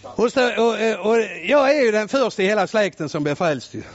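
A male preacher telling a story in a sermon, loud and exclamatory, swinging from shouting to hushed tones. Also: sits high, animated. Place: church. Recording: muffled lo-fi recording.

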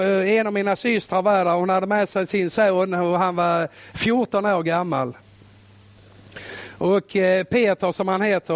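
A male preacher telling a story in a sermon, loud and exclamatory, swinging from shouting to hushed tones. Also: high voice, dry recording. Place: church. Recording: muffled lo-fi recording.

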